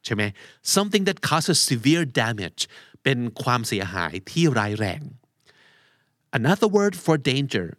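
Podcast host, male, lively teacher's voice, patient spelling, dry booth sound. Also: medium pitch, no room sound. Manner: explains words slowly, spells letters aloud. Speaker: English vocabulary podcast host. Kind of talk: podcast vocabulary lesson.

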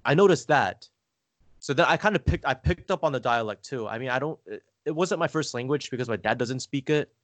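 A man's voice: medium pitch, lively intonation, fairly quick, dry recording. An American man chatting casually as a guest, rambling and hesitant with lots of "like" fillers. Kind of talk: casual conversation.

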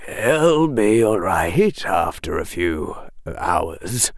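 A man voicing a gentle, worried middle-aged male teacher who speaks quietly and seriously. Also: low voice, big pitch swings, very slow, gravelly, no echo, studio quality, full character voice. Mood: quiet concern.

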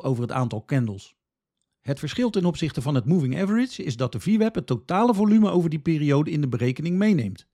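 A man's voice: a little high, mellow. A man from the Netherlands, hosting a podcast with scripted, instructional explanations addressed directly to the listener. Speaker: podcast host.

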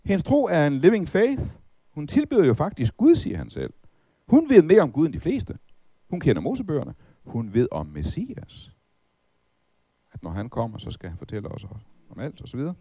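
A middle-aged man preaching with a mellow, warm tone and a lively, swinging pitch. He asks the listeners one rhetorical question after another. The recording is dry and close, with no room sound. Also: slightly rough, dry recording. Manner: lively, rhetorical questions, recites hymn verses. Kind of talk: Bible teaching talk.

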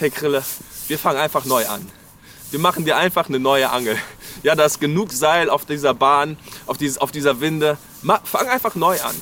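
A man's voice: on the high side, fairly bright tone, slight background noise. A man from Berlin preaching a sermon and speaking directly to listeners, urging them with frequent calls of "hey". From Berlin, Germany. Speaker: pastor. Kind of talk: New Year sermon.

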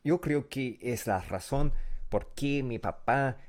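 A man's voice: medium pitch, takes it slowly, darkish tone. A man who is not a native Spanish speaker, co-hosting a casual podcast as a learner and hesitating while he searches for words.

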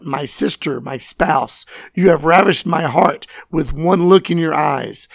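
A man with a scratchy, hoarse voice, teaching and reading scripture as host of a Bible program. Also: fairly high pitch, no room sound. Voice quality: scratchy, raspy. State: hoarse from voice loss, recovering.

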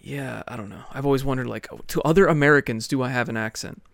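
A young man hosting a casual podcast, easygoing and curious, often trailing off quietly. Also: medium pitch, fast, creaky, dry recording, clean studio sound. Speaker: podcast host.

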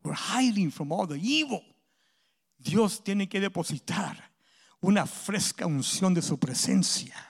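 A male pastor preaching a bilingual sermon, saying each point in Spanish and then again in English, tacking a drawn-out "ah" onto his phrases and swinging between loud emphasis and near-whispers. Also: high voice, lively intonation, creaky, slightly rough. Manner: swings from loud emphatic lines to hushed ones.

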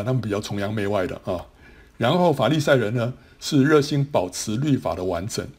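Husky man giving a Bible lecture. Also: mid-range voice. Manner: explanatory, frequent sentence-final particles and restarts. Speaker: Bible teacher.

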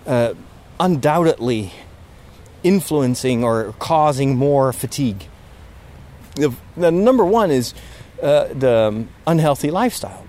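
A man with a sore throat thinking aloud about his fatigue as he walks outdoors in a park, speaking haltingly with many restarts. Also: on the high side, darkish tone. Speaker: podcast host. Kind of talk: casual spoken reflection, walking outdoors. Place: outdoors in a park near road works.

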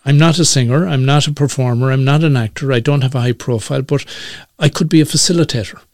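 A man in his sixties with an Irish accent, talking as a radio broadcaster in a measured, thoughtful way with many pauses and fillers. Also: medium pitch, a little mellow, no echo, studio quality. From Ireland. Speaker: guest, community radio broadcaster. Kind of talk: conversational interview.

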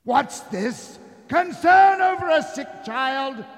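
A man's voice: extremely high pitch, animated, slow pace, exaggerated voice. A man playing a mocking, gleeful ghostly spirit with taunting, theatrical delivery in a live stage radio play. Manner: taunting, theatrical delivery with sudden loud swells. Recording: live stage recording in reverberant hall.

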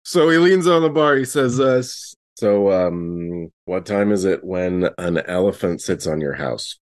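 A man playing a tabletop role-playing game, improvising narration and banter in a halting, jokey way. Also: sits low, lively intonation.

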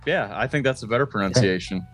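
A man's voice: fairly low pitch, lively intonation, fast, fairly bright tone, soft background music. A man podcast host chatting casually, joking and poking fun at himself. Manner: self-mocking, joking, sweary. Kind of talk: casual chat.

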